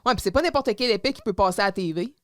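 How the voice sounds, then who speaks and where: A woman with a Québécois French accent co-hosting a podcast, recapping an episode in casual chat and loudly acting out the characters' lines. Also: medium pitch, lively intonation, racing, no echo. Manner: acts out characters' lines loudly while retelling scenes. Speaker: podcast co-host.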